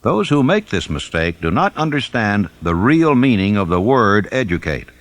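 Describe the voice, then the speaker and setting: A man reading a self-help audiobook in a measured, instructive and emphatic manner. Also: on the low side, big pitch swings, fairly bright tone, no echo. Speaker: audiobook narrator.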